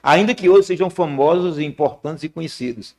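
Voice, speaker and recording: Man preaching a sermon. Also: fairly quick. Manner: storytelling, with sharp rises and drops in pitch and loudness. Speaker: guest preacher. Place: church.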